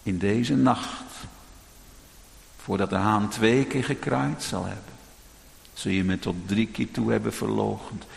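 Slow gravelly preacher in a reverberant church. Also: male voice. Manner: dramatic, shifting from raised pleading to hushed low tones. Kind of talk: sermon.

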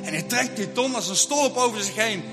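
A man's voice: sits high, expressive, a little fast. A man telling a Christian story in vivid, rhythmic narration. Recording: long hall reverb, faint music.

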